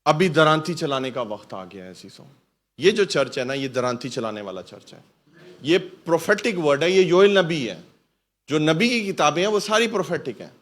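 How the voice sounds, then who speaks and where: A man's voice: a little high, sing-song, a bit bright. A man preaching as a pastor in a fervent sermon, often calling out hallelujah and mixing in English words. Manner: fervent, calls out hallelujah and asks the church to repeat.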